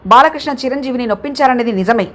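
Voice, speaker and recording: A woman reads a scripted news bulletin with a high, bright-sitting voice. She moves through it at a rapid clip. Her delivery stays brisk and even, in the steady manner of a news reader.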